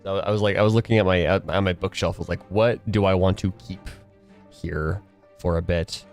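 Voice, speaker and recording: A man's voice: deep voice, steady tone, a little fast, a little mellow, soft background music. Stuffy young man chatting on stream. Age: young adult. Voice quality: tired morning voice. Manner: rambling, filler-heavy, restarts often. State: slightly stuffy, nasal from a cold. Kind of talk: casual solo chat to a live stream.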